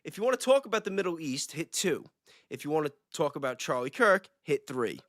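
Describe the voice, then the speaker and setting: Man, higher-pitched voice, forceful bright tone, slangy casual livestream talk, dry close sound. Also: sing-song, fairly quick, no echo. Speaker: livestream guest, self-described independent investigator.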